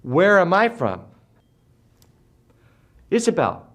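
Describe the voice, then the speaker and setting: A male teacher from the United States leading an English class, speaking slowly and deliberately and repeating words for his students. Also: high-pitched, wildly swooping pitch, a bit bright, highs cut off. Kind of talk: slow classroom drill.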